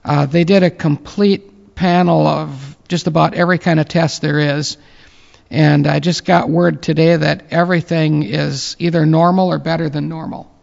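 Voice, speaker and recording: A man in his late fifties, a pastor, giving earnest closing thanks and a reverent prayer with many halting fillers. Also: on the high side, fairly even intonation, creaky, darkish tone. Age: 50s. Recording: muffled with long reverb.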